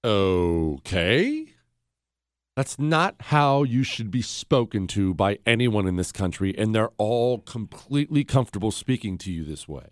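A man hosting a talk radio show, speaking in an animated, sarcastic monologue with wide swings in pitch and a slightly congested voice. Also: unhurried, no room sound, studio quality. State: congested from allergies.

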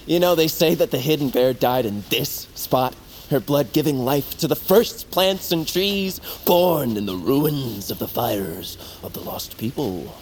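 A man's voice: mid-range voice, a little slow, darkish tone, slight background noise, lightly acted, poor audio. A man acting a devoted, earnest young tribal hero in an audio drama, speaking expressively. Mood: focused. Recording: music behind the voice.

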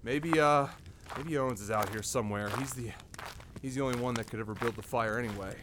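A man plays a high-voiced, cranky old campfire storyteller in a cartoon, his pitch swinging wildly as he shrieks and curses. The recording carries a clear hiss of noise. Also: very animated, measured pace, heavily acted. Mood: dazed muttering. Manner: shrieking, cursing, easily terrified.

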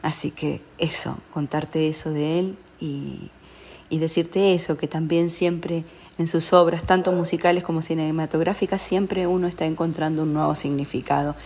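A woman with an Argentine accent speaks in a low register with very little rise and fall. She is a guest offering a personal tribute, reflective and halting, pausing often as she searches for words. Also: fairly even intonation, a little mellow, breathy edge.

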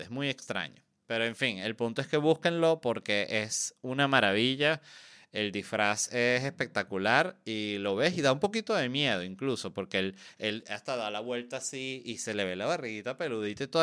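Bright-voiced man, chatty host. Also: mid-range voice, clean tone. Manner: playful, joking, rambling with many fillers. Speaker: podcast host. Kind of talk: casual chat.

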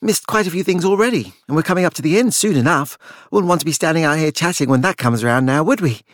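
A man voicing a chattering upper-class gentleman with hearty, grating cheer in a story reading. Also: fairly high pitch, animated, fast, dry recording, studio quality, pitched above the performer's own voice, lightly acted. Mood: forced cheer.

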